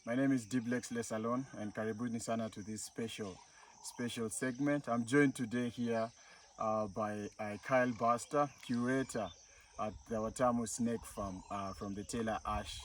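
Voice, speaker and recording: A man's voice: medium pitch, steady tone, moderate pace. A man hosting a podcast interview, polite and hesitant with many uhs. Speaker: podcast host. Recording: distant mic with faint insect noise.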